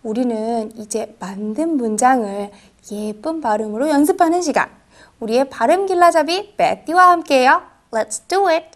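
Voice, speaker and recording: A woman's voice: high voice, animated, normal speed. A woman teaching English to children, telling short stories and asking the kids questions. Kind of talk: children's lesson narration.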